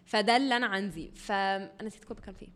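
A woman's voice: mid-range voice, very fast. A woman with an Egyptian accent chatting casually as a podcast guest, in Arabic with the odd English word dropped in. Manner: mostly Arabic with occasional English words. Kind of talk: casual personal chat. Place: indoor podcast recording.

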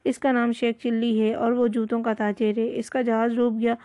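A woman voicing a cheeky, teasing male jungle sidekick with quick, mocking retorts. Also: a little high, level tone, warm tone, no room sound, natural voice. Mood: eager.

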